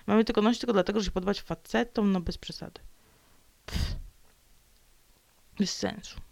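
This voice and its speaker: A woman's voice: medium pitch, fairly even intonation, moderate pace, gravelly, darkish tone, no echo. A woman vlogger talking alone in a sulky, ranting way, slipping into whispered mutters and playful growls. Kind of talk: grumbling solo monologue.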